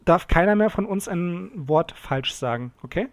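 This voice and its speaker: A man's voice: high voice, lively intonation, normal speed. A man co-hosting a casual podcast chat, reading tongue twisters aloud, laughing and tripping over the words. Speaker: podcast co-host.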